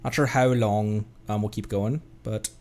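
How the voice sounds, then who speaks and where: A man's voice: lowish voice, fairly even intonation, measured pace, a little mellow. A man streaming a video game, chatting casually in a rambling, hesitant way as he thinks aloud. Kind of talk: casual livestream gaming chat. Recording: music in the background. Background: background music.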